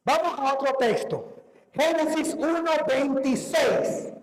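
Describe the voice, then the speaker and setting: A man's voice: very high voice, unhurried. A man preaching a sermon, emphatic, repeating key words and putting questions to the congregation. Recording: echoey hall.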